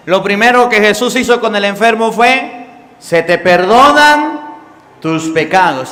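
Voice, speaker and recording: Priest preaching with a bright, high voice. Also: male voice. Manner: animated preaching with questions to the congregation. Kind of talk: sermon. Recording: echoey hall with long reverb.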